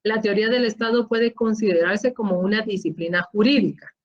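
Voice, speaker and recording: A woman's voice: mid-range voice, fairly quick. A woman with a Guatemalan accent, a law lecturer explaining course material and often adding questioning tags. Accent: Guatemalan Spanish. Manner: explanatory, frequent tag questions and fillers. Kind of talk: online class lecture. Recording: dull lo-fi audio.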